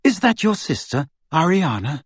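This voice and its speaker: Man putting on a timid teenage witch, higher pitch. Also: very animated, unhurried, no echo, exaggerated voice. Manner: timid, breathy, earnest.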